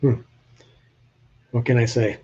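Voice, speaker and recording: A man's voice: mid-range voice, level tone, takes it slowly, a little mellow, lo-fi sound, slight background noise. An older man from New Hampshire with a slight Southern drawl, chatting casually with viewers on a live stream and joking as he shows old photos. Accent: Southern US with New England traces.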